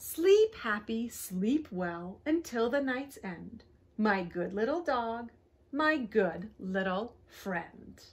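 A woman uses a put-on character voice, pitched fairly high and delivered at a very slow pace. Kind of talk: bedtime story. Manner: soft, whispering, tender.

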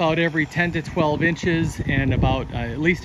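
A man at a moderate pace, the sound dry with no echo, under loud background noise. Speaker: building contractor. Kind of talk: explanatory walkthrough commentary. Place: garden. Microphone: phone near.

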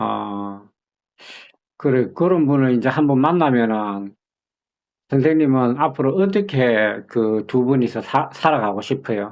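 A man speaks at a very slow pace with long, frequent pauses and a medium pitch. His intonation is lively, while his loudness stays very even. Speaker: matchmaking show host. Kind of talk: phone interview questions.

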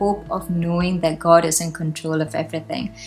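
Faint music plays in the background as a woman speaks at a fairly low pitch. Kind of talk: casual vlog chat. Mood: earnest, encouraging, faith-based. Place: home room.

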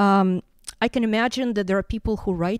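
A woman's medium-pitched voice with ordinary pitch variation, dry with no echo, over a quiet background. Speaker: historian and prize-winning author; panelist. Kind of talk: panel discussion. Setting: stage with audience. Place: meeting room. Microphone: handheld.

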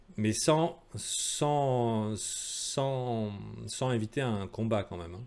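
Very slow speech from a man, with ordinary pitch variation. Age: 40s. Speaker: crypto trading analyst. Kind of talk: market analysis video. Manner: casual, hesitant with fillers. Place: home room.

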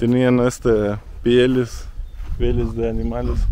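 A man with a Russian accent speaks at a very slow pace, and the sound is dry with no echo. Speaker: travel vlogger. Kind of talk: casual travel vlog chat. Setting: outdoors. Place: open country. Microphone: phone near.

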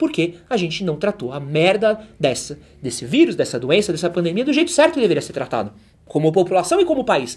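A man talks in an animated tone at a moderate pace, his pitch swinging very widely. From Brazil. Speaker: YouTuber; channel host. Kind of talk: rant. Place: studio.

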